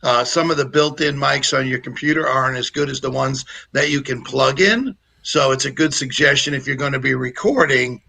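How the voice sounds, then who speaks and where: A man who trains public speakers, giving practical advice in a relaxed, joking way over a video call with a lapel mic. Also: mid-range voice, moderate pace, vocal fry, few pauses, slight background noise. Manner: practical, explanatory, jokes easily. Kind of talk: casual coaching advice on a livestream.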